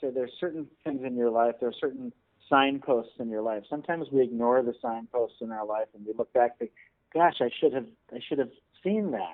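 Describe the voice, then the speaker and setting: At a fairly quick pace, a man with an American accent talks in a plain, everyday voice at a medium pitch with ordinary pitch variation. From US Midwest, Minnesota. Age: 60s. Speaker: actor and acting teacher. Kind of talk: interview.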